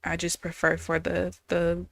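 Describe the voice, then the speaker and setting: A woman in her thirties talks with a somewhat low voice in a candid, chatty live-stream manner, addressing her viewers directly. The sound is close and dry, with no room around it. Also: completely flat delivery, unhurried, gravelly, dry recording. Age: 30s. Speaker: day trader streaming live. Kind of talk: casual live-stream chat.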